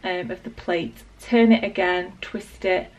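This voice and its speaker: A woman in her late twenties with a Northern English accent, croaky from a sore throat, casually talking through a hair tutorial with lots of ums and likes. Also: fairly low pitch, fairly even intonation, measured pace, recorded from a distance, poor audio. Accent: Northern English, Lancashire. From England. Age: late 20s. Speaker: beauty vlogger. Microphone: small external mic.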